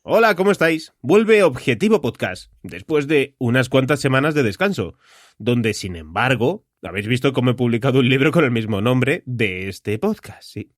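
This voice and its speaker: A man's voice: medium pitch, very animated, normal speed, no echo, clean studio sound. A man from Spain with a Spanish accent hosts a podcast solo, talking conversationally straight to the listener and posing rhetorical questions. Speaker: podcast host.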